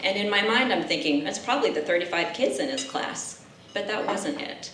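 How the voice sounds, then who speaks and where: Over noticeable background noise and audible room echo, a woman with an American accent speaks at a medium pitch with lively intonation. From New Jersey. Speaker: school board candidate. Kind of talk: campaign speech.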